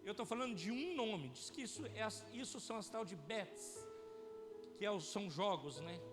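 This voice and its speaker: A man's voice: high-pitched, expressive, moderate pace. A man with a Brazilian Portuguese accent preaching a sermon as pastor, emphatic and repetitive, often addressing the congregation directly. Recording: church hall with long reverb and faint music.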